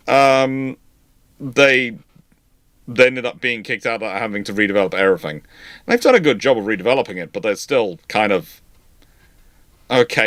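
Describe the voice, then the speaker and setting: A man's voice: lowish voice, a bit bright, dry recording. A man hosting a live naval history question stream, talking in a rambling, sarcastic way with many restarts. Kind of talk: casual live Q&A talk.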